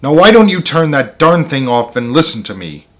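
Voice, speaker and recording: A man's voice: fairly high pitch, very animated, moderate pace, a bit bright, pitched above the performer's own voice. A man voicing an earnest female schoolteacher in a storybook, insistent and reproachful. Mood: firm, impatient. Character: Miss Honey, earnest young female schoolteacher losing patience. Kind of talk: storybook read-aloud character voice.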